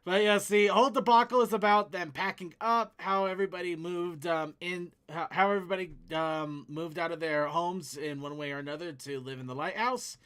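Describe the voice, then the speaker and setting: A man with a high-pitched, bright voice hosts a casual fan discussion. His delivery is halting and stop-start as he works through his commentary. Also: fairly even intonation, smooth. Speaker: host.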